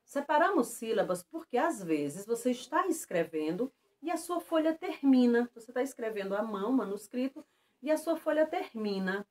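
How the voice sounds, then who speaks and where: A Brazilian woman teacher giving a lesson to schoolchildren, stressing example words slowly and clearly. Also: a little high. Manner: lively, slow and emphatic on example words. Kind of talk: remote lesson for children.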